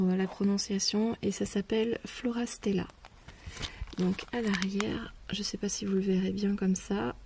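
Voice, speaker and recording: Hesitant woman with a mellow voice. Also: mid-range voice, slight background noise. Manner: hesitant, many pauses and fillers; drops to a whisper when showing items. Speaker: scrapbooking vlogger. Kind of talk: casual product haul.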